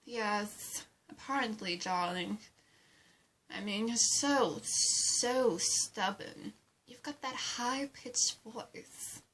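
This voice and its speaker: Woman acting a haughty seductive plant villainess, breathy, fairly high, slow condescending drawl, theatrical roleplay. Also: a bit bright, a little hiss or hum. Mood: dismissive, cool. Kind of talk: amateur character roleplay.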